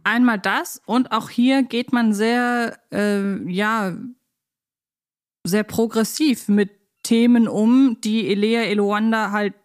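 A woman's voice: on the high side, fairly even intonation, takes it slowly. A woman co-hosting a casual podcast chat, thoughtful and groping for words through long, winding sentences. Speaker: podcast co-host. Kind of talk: casual chat reviewing children's audio dramas.

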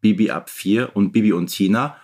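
A man's voice: on the low side, moderate pace, darkish tone. A man co-hosting a casual fan podcast, playful and fond of quoting. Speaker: podcast co-host.

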